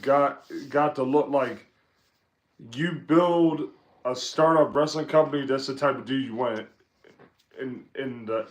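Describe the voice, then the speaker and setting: A man co-hosts a casual live stream chat, speaking in an unhurried, drawn-out way. His voice sits at a middle pitch and stays blunt and dry. He gives his opinions flatly and briefly. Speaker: co-host.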